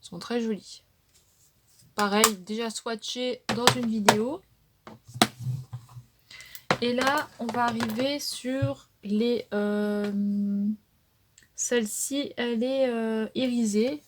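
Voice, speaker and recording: A woman's voice: on the high side, steady tone, slow pace, long pauses, background noise. A woman beauty vlogger casually showing her makeup palettes, chatty and hesitant, with frequent fillers and trailing tags.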